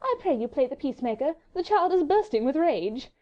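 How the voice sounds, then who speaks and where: A woman voicing a witty, merry society wife with a light, musical, gently mocking way of talking, in an audiobook story. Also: high voice, sing-song, moderate pace, dull audio, pitched above the performer's own voice. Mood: sweet, sarcastic. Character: merry, teasing, witty English baronet's wife.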